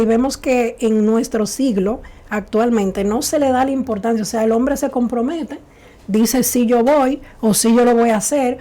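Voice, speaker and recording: A woman co-hosts a Christian radio show and speaks in a measured way, often adding amens. Her voice is warm and mellow and sits a little high. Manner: measured, affirming with frequent amens.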